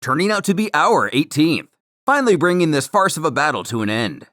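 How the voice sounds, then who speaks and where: A man's voice: fairly high pitch, sing-song, fairly quick, bright, forceful tone, no echo, clean studio sound. A man narrating a scripted story recap in a theatrical, wordy storytelling manner. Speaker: narrator of a comic recap series.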